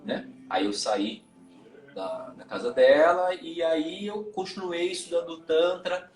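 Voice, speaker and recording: A man, a tantra and yoga teacher, telling his personal story as a guest in a live interview, candid and halting, often repeating words. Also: a little high, echoey room, faint music behind.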